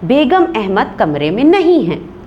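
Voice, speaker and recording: A woman's voice: fairly high pitch, big pitch swings, measured pace, muffled recording, a little hiss or hum. A woman voicing a sick, grumpy husband who is trying to rest, reading a play aloud for a class. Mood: weary. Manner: irritated, weary.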